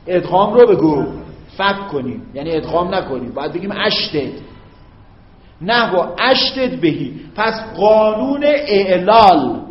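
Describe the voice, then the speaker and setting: High-voiced man teaching grammar in an echoey room. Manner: drawn-out recited Arabic examples, frequent check-ins with students. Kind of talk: classroom grammar lesson. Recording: muffled, echoey classroom recording.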